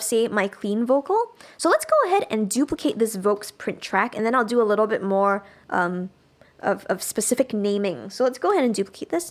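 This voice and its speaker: A woman giving a casual live software tutorial as a music production instructor, thinking aloud as she demonstrates. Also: a little high.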